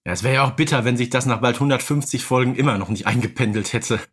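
Male podcast co-host, middle-aged, husky mid-range voice, conversational. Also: medium pitch, fast. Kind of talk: casual podcast discussion.

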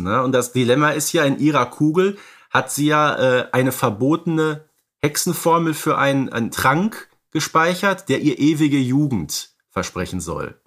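Male podcast co-host, mid-range pitch, informal film analysis, conversational recap style. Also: fairly bright tone.

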